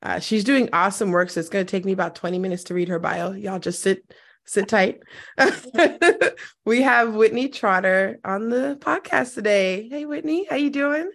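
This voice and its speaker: A woman hosting a casual podcast interview, hoarse and scratchy after losing her voice, laughing often and poking fun at herself. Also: mid-range voice, moderate pace. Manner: laughs often, self-deprecating. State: hoarse, lost voice. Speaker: podcast host.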